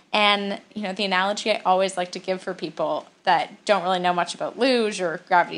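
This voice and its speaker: A woman speaks in a Canadian accent at a fairly quick pace, her pitch medium and her intonation monotone and flat. The background is quiet. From Canada, Calgary, Alberta. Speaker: former Olympic luge athlete, culinary student. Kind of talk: casual interview.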